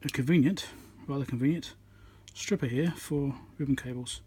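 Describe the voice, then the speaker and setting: A man giving casual hands-on commentary as he works, halting and half talking to himself while he concentrates, recorded on a phone at an indoor workbench. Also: medium pitch, dark tone. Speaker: electronics repairer, channel host. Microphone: phone on a tripod above the work. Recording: noisy room recording on a phone.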